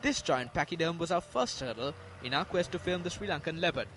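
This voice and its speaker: A man's voice: fairly high pitch, animated, a little fast, a bit bright, slight background noise. A man delivering scripted nature documentary narration as a news reporter.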